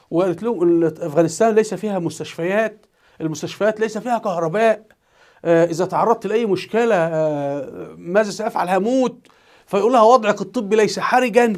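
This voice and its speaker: A man with an Egyptian accent, a teacher telling a news story as commentary and acting out the quoted voices. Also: high-pitched. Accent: Egyptian Arabic. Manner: animated, acts out quoted voices.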